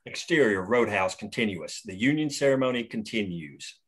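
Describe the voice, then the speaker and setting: A man reading the stage directions aloud at a script table read in a steady, plain way. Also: on the low side, normal speed, breathy edge.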